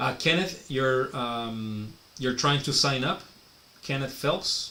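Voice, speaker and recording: A man with a non-native accent speaks at a medium pitch with fairly even intonation. There is audible room echo. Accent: noticeable foreign. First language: not English. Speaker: webinar host, business coach. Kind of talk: live webinar sales presentation. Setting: live online webinar. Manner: casual, filler-heavy.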